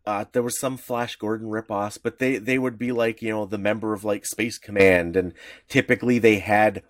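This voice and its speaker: Low-voiced man rambling about comics. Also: normal speed, no echo, clean studio sound. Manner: rambling, animated explainer with many fillers. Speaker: podcast co-host. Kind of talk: casual podcast chat.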